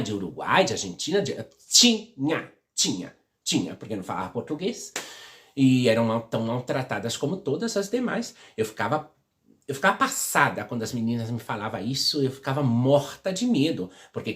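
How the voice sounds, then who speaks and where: A middle-aged woman from São Paulo, Brazil, tells personal stories to her viewers with feeling. She repeats herself often and keeps asking the audience if they follow. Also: rumbling low. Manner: emotional, repetitive, constant tag questions to viewers. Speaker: vlogger.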